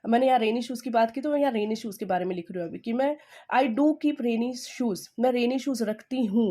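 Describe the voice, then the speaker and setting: A woman's voice: fairly high pitch, warm tone. A woman with an Indian accent teaching English in Hindi, explaining with repetition and checking in with "okay?". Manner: slow, stressed dictation when reading English sentences. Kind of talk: Hindi-English language lesson.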